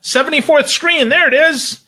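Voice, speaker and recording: A man chatting casually as a talk show guest, with blunt, emphatic, animated opinions. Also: very high-pitched, normal speed.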